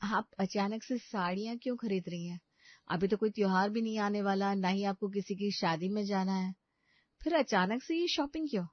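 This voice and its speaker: A young daughter-in-law in an animated family story, played by a woman, suspicious and aggrieved. She speaks high and complaining. Dry, slightly dull sound. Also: normal speed, no echo, natural voice.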